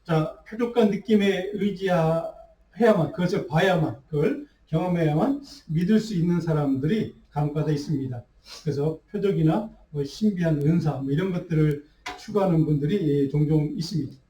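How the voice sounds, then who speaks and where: A man preaching a sermon as pastor, unhurried, with restarts and fillers. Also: on the high side, warm tone. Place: church sanctuary. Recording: roomy church sound, mic at a distance.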